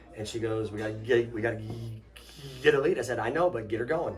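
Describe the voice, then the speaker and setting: A man speaks with audible room echo. Music plays in the background. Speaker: college softball head coach. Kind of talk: press conference. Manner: halting, frequent repetitions; candid, animated.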